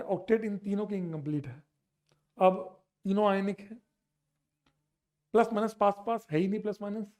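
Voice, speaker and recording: A male chemistry teacher lecturing for an exam-prep class, his voice sitting high and lively. He talks with teasing energy, switching between Hindi and English as he works through problems.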